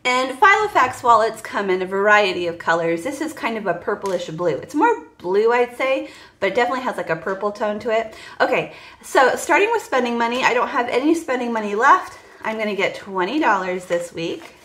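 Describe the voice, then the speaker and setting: A woman's voice: a little high, big pitch swings, fairly quick, a bit bright. Chatty woman vlogging her budget, echoey room. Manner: chatty, addresses viewers directly, counts cash aloud. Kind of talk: casual tabletop budgeting vlog. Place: indoors at a table. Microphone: voice heard over top-down table camera, hands only.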